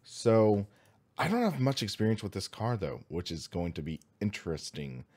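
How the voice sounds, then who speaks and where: An American man in his twenties with a slightly hoarse voice, chatting casually and enthusiastically as he hosts a gaming livestream. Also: fairly low pitch, big pitch swings, normal speed, darkish tone. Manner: upbeat, enthusiastic, informal. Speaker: host of a sim racing livestream.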